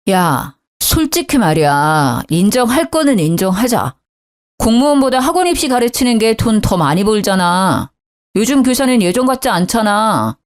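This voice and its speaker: A woman's voice: mid-range voice, natural voice. A woman doing a sneering sarcastic husband. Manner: mocking, sarcastic, slow drawl. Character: sarcastic young husband, belittling and defensive.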